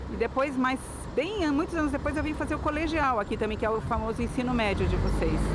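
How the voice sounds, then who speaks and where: With audible room echo and noticeable background noise, a woman speaks very fast at a high pitch, with very even loudness and ordinary pitch variation. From São Paulo city, Santo Amaro. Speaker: former São Paulo resident. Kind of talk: documentary testimony.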